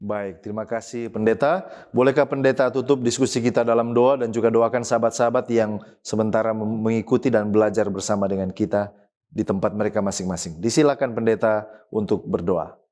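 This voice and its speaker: A man's voice: on the low side, fairly even intonation, fairly quick, a little mellow. A man, a pastor, hosting a church discussion program, thanking his guest and signing off in a formal, courteous way. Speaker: host, pastor.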